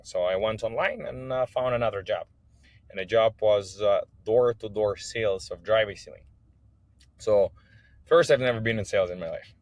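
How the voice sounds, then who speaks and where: A man's voice: on the low side, no room sound. A man from Kazakhstan, an English speaker telling his personal story as a podcast guest. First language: not English. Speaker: podcast guest, business owner.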